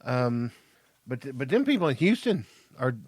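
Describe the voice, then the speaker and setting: A man's voice: mid-range voice, very animated, normal speed, a little mellow, husky, dry recording. A man in his fifties with an American accent, bantering casually and crudely as a podcast co-host, with emphatic delivery. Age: 50s.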